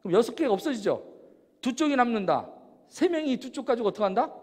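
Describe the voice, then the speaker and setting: A man giving an animated lecture, firing off rhetorical questions and acting out examples. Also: very high voice, quick pace. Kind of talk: lecture on personality types. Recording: long hall reverb.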